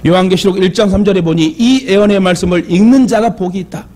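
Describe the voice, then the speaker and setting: High-pitched yet dark in tone, this Jeolla-accented pastor talks fast. Preaching in a church sanctuary, he mixes jokes into his sermon and calls out for amens.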